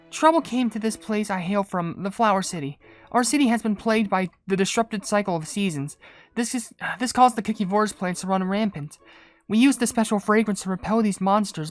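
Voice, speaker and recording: A man voicing a polite, earnest young female cookie traveler from a game, in a gentle storytelling way. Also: high voice, a little fast, soft background music, natural voice.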